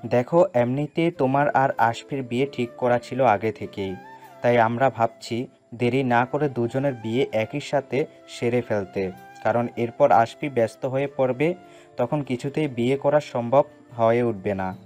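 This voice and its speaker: Over background music comes a man acting a middle-aged father in an audio story. He is stern and authoritative, laying things down in a calm, measured voice. His tone is firm and leaves no room for argument. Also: mid-range voice, close to an everyday voice. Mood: calm, insistent. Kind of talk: dramatised audio story dialogue.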